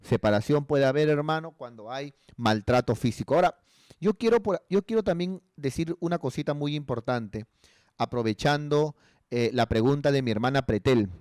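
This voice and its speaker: A man's voice: medium pitch, normal speed, a little mellow, clean tone, no room sound, clean studio sound. A male pastor giving pastoral counsel in a conversational sermon, earnestly asking rhetorical tag questions.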